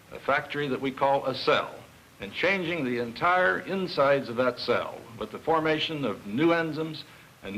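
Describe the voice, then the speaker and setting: A man's voice: medium pitch, a bit bright. A man giving an explanatory, emphatic science lecture as a virologist presenting an educational film. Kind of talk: science lecture demonstration with models. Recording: noisy 1960 educational film soundtrack.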